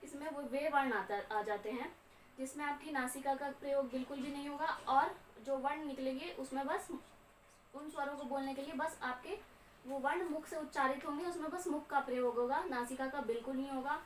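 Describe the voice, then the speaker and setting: A young woman teaching Hindi grammar in a slow, repetitive classroom lecture, often checking in with her students. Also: high voice, far from the mic. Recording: echoey room, voice off-mic with faint hum.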